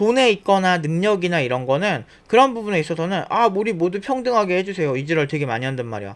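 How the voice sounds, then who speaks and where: Delivered at a very fast pace, the voice makes very wide pitch swings. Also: man, high pitch for a man. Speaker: coding bootcamp instructor. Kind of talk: casual monologue. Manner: informal, rambling speech with fillers.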